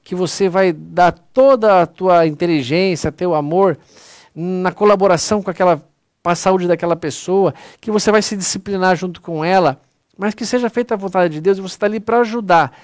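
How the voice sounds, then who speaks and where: A man's voice: high-pitched, fairly quick, no echo, clean studio sound. A man with a Brazilian accent giving an earnest, conversational spiritist lecture online, often calling his audience "pessoal". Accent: Brazilian Portuguese.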